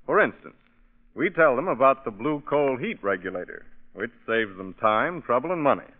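A man's voice: medium pitch, expressive, normal speed. A man giving a scripted old radio testimonial with an earnest salesman's delivery. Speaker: fuel dealer, guest in a sponsor spot. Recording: muffled old radio recording.

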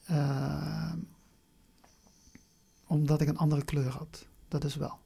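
A person with a southern Dutch accent talking reflectively in an interview, haltingly, often searching for words and repeating them. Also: medium pitch, flat delivery, creaky, dark tone, husky. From Venlo, Limburg, Netherlands. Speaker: interview guest.

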